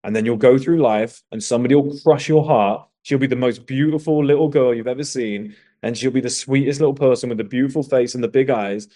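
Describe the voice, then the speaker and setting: A man's voice: mid-range voice, brisk, hardly any pauses, mellow. Blunt, foul-mouthed man giving advice. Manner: swears freely, blunt and emphatic.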